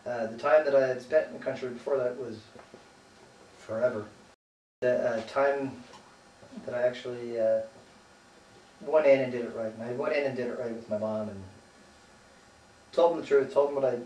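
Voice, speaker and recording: A man's voice: medium pitch, fairly even intonation, normal speed, pauses often, a little mellow. An American man in casual conversation about his life, hesitant and rambling, often trailing off and swearing casually. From United States. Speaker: interviewee. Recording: roomy echo, distant mic, faint noise.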